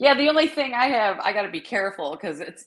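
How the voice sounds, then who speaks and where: The speaker talks at a fairly quick pace with a slight Canadian accent. The pitch swings very widely. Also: woman. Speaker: BBQ content creator. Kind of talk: casual chat.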